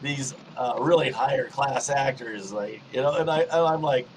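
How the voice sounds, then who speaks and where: A man's voice: medium pitch, moderate pace, a little hiss or hum, poor audio. A middle-aged man hosting a podcast, chatting easily and laughing often. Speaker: podcast host. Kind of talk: casual conversation.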